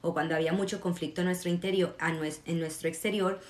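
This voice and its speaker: A woman's voice: on the low side, fairly even intonation, quick pace. Encouraging woman meditation guide, roomy echo. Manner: encouraging, reassuring. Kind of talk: guided meditation and live chat with viewers.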